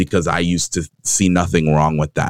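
A man with an American accent talks at a moderate pace. The sound is dry and close, with no echo. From Miami, Florida. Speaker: Broadway actor. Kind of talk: casual interview chat.

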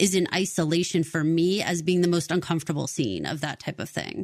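With a very clean recording and a silent background, a woman with a plain, everyday voice and an American accent speaks at a medium pitch and a fairly quick pace. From Texas. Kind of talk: casual chat; press interview.

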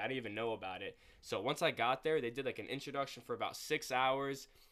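Very fast speech in an American accent, with ordinary pitch variation and a bright, sharp tone. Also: man. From US Northeast, Hillsborough, New Jersey. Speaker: entrepreneur and mentor. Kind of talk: casual interview.

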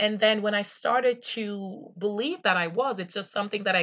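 A woman with an American accent, medium pitch, ordinary pitch variation, a bright, sharp tone and a moderate pace, over a quiet background. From Jamaica. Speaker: podcast host. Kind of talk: solo monologue podcast. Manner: casual, conversational with many fillers.

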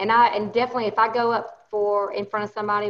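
In a Southern US accent, a woman speaks at a medium pitch. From US South, Georgia. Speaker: real estate agent. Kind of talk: casual interview chat. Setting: phone call. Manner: loud, energetic.

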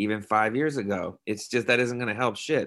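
With an American accent, the speaker has a bright, sharp tone and a moderate pace against a quiet background. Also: man. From New York State (upstate). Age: 40s. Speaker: artist. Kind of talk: casual chat.

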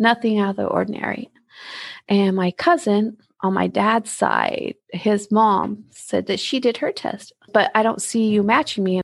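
In a plain, everyday voice, a woman talks at a fairly slow pace with a fairly high pitch and ordinary pitch variation, the sound dry and close with no echo against a quiet background. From California, Central Valley. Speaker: interview guest sharing family story. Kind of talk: personal testimony.

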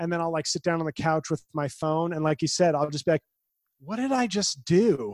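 Lively intonation and a New York accent come through in a very clean recording with a silent background and a dry, close sound with no echo. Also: man, fairly high pitch for a man, fairly quick pace. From New York City, the Bronx. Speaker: comedian and impressionist. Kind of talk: casual chat.

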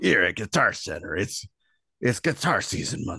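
Doing a put-on character voice, a man sounds raspy at a fairly low pitch and a moderate pace, recorded dry and close with no echo. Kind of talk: advertising voiceover. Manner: hyped announcer delivery.

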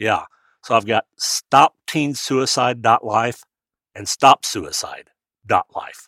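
A man speaks very slowly, his loudness swinging widely. The sound is dry and close, with no echo. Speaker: suicide prevention advocate and former rodeo bull rider. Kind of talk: interview testimony.

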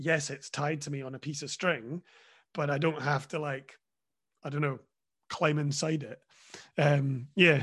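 With long, frequent pauses and big swings in loudness, a man speaks at a fairly slow pace in a fairly high, monotone, flat voice over a quiet background. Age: 40s. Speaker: creative project founder. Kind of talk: casual chat.

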